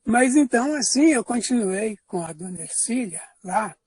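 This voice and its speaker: An older man from Brazil telling a personal life story in an unhurried way, pausing and restarting often. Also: high-pitched, lively intonation, a little mellow, slightly rough, no echo. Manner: unhurried, with frequent pauses and restarts. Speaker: interviewee giving a life testimony.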